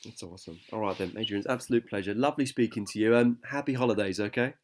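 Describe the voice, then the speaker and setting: A man's voice: on the low side, racing. A man with a London accent interviewing a member over the phone, polite and friendly. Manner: polite, friendly sign-offs. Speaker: interviewer from a casting site.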